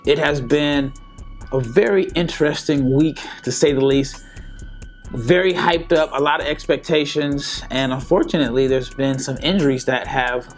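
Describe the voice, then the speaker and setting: A man hosting a solo basketball podcast in an easygoing, chatty way. His voice is slightly hoarse from a sore throat, and he often repeats words and restarts his sentences. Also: fairly high pitch, normal speed, soft background music. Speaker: podcast host and basketball scout. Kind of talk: casual solo podcast commentary. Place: hotel room or indoor spot in Las Vegas.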